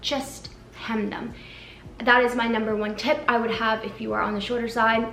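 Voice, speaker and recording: With a Canadian accent, a woman speaks at a moderate pace in a monotone, flat intonation, with audible room echo and noticeable background noise. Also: fairly high pitch for a woman. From Canada. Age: 20s. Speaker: fashion and lifestyle YouTuber. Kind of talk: casual Q&A vlog.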